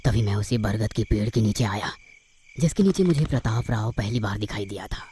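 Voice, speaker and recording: Telling a scripted horror tale in the first person, this man uses a lowish voice with lively intonation and a brisk pace. His delivery is dramatic, though loud music runs over the narration and a little hiss or hum can be heard.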